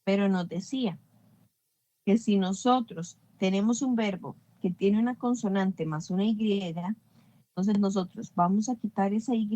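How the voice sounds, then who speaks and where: A woman's voice: medium pitch, warm tone, highs cut off. Patient woman teaching English. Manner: patient, checks understanding with frequent "verdad". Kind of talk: online class explanation.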